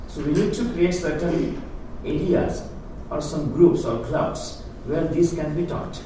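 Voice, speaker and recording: Guy explaining stuff to a crowd, earnest, kinda high voice, super echoey room, distant mic. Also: a little slow, warm tone. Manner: earnest, explanatory, non-native phrasing. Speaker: guest speaker on Hindu philosophy. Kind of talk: public talk answering audience questions. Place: lecture room with audience. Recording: echoey hall, speaker far from mic, noisy.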